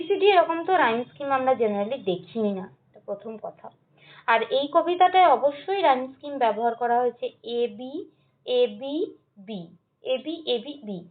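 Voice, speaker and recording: A woman teacher going through exam questions, reading each option slowly and explaining patiently. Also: sits high. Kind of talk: exam-prep lecture. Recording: tinny phone-like sound.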